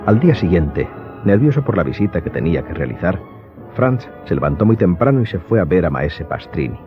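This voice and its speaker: Deep-voiced, expressive male narrator. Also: a little fast. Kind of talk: dramatic scripted audiobook narration. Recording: dull recording under clear music.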